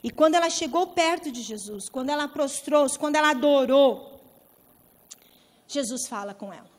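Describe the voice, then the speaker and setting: High-voiced impassioned woman preacher. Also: expressive, moderate pace. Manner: impassioned, dramatic shifts in loudness. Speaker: pastor. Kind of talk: sermon. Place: large convention center hall. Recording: reverberant convention hall.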